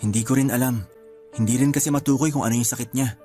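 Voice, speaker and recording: A man's voice: medium pitch, fairly even intonation, fast, dark tone, natural voice. An actor playing a grieving young man at his uncle's wake in a radio drama. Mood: sad. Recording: faint music under the voice.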